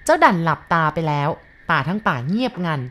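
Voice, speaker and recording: A woman's voice: lowish voice, animated, fairly quick, fairly bright tone. A woman storyteller narrating a ghost story, polite and addressing her listeners directly.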